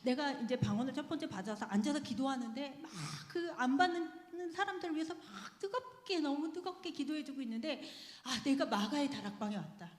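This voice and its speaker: A woman's voice: high voice, fairly quick, few pauses. A woman giving a personal testimony in church, chatty and earnest, often laughing as she speaks. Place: church sanctuary. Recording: echoey church hall with long reverb.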